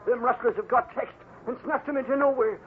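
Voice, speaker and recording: An actor playing a folksy, excitable cowhand sidekick in an old-time radio Western. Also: male voice, very high voice, fairly quick. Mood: alarmed. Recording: tinny, hissy vintage radio recording.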